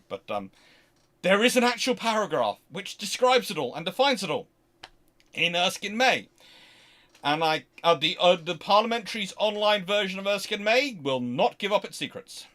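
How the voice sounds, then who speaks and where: A man hosting an unscripted history question-and-answer stream, talking casually in a halting, digressive way and often correcting himself. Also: on the high side, a bit bright. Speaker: history livestream host.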